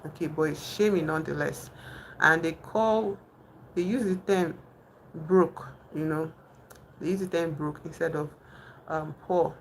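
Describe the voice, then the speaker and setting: A young woman with a Nigerian accent talks casually on a home live stream, her voice low and gravelly. She thinks aloud, full of fillers and restarts, with a faint hiss underneath. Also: measured pace, pauses often, low-quality recording. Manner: chatty, thinks aloud with many fillers and restarts, reads viewers' comments. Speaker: livestream host.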